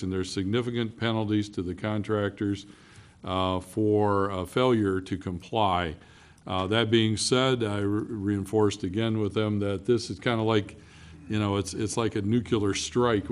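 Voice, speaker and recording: Low-voiced city manager giving a report. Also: male voice, steady tone. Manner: halting, many fillers. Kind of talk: council meeting report. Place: city council chamber.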